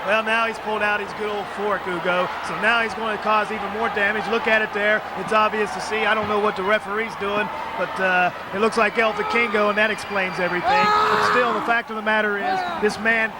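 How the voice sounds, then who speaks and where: A high-pitched man works as a lucha libre announcer, pressing his points insistently and argumentatively. He is heard over clear crowd noise in a noisy arena broadcast. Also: a little fast, few pauses. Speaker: wrestling co-commentator. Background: loud wrestling crowd.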